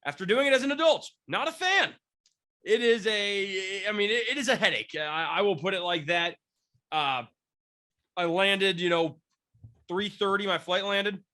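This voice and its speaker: Congested young man, bright tone. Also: high-pitched, normal speed. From Washington State, near Seattle. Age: 20s. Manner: rambling, frequent restarts and fillers. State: congested from a cold. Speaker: podcast host, sports beat writer. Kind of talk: casual sports podcast chat.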